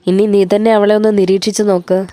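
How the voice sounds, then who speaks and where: A woman's voice: medium pitch, flat delivery, fast, dark tone, smooth, no room sound, lightly acted. A woman voicing a stern, protective old grandmother who talks firmly and scolds. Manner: firm, scolding.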